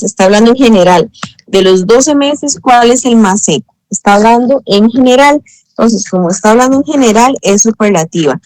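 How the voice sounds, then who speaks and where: A woman's voice: mid-range voice, dry recording, rough recording. A woman, an English teacher patiently explaining grammar in an online exam review. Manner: patient, explanatory, spells out letters slowly.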